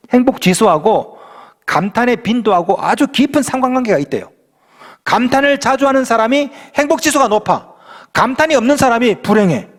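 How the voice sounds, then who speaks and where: A male pastor preaching a lively sermon in a church, playful and full of exclamations. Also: very high-pitched, in a large hall.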